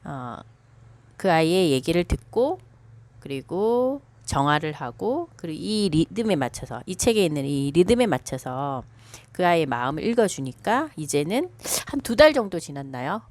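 Female counselor, low voice with lively pitch, reflective pace and many fillers, reading and commenting. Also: no room sound. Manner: slow and reflective, frequent hesitation fillers. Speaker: author and counselor. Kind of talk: reading a book aloud with commentary.

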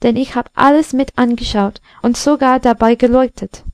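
A woman's voice: a little high, fairly even intonation, normal speed, darkish tone, no echo, natural voice. A woman voicing a vain old brass candlestick telling a tale in a storybook reading. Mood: proud. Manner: self-important storyteller.

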